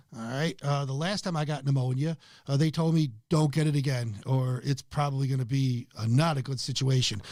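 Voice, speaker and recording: In a very clean recording with a silent background, a man speaks at a fairly quick pace in a fairly high, somewhat breathy voice with ordinary pitch variation. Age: 60s. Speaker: state politician. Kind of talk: interview. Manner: halting.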